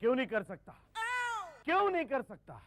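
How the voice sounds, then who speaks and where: Bosaka, a gloating villain. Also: male voice, very high voice, sing-song, measured pace, exaggerated voice. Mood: menacing. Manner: gloating, threatening, mocking laughs. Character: menacing male gangster villain, boastful and cruel. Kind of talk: TV drama acting. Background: background music.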